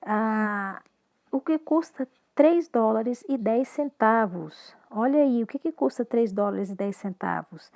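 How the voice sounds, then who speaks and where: A woman with a Brazilian Portuguese accent, an English teacher giving a recorded lesson, speaking slowly and clearly as she moves between English and Portuguese. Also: fairly high pitch, lively intonation, darkish tone.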